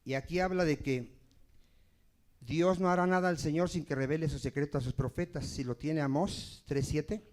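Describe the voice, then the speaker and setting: A man's voice: a little high, normal speed, darkish tone. A man preaching a sermon as pastor in a church, emphatic and asking the congregation questions.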